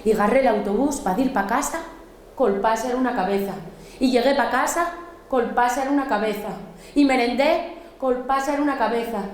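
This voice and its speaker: A woman with an Asturian accent performing a theatrical storytelling monologue, speaking as a lively, mock-dreamy little girl. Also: on the high side, moderate pace, reverberant, a little hiss or hum.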